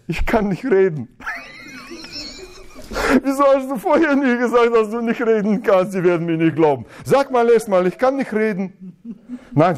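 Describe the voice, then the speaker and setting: A man leads a church Bible lesson with a voice that sits a bit high and swings widely in pitch. He acts out the dialogues playfully, laughs often and speaks German with slightly broken grammar. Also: darkish tone. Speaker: Bible teacher in a church congregation. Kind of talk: lively Bible teaching to a group.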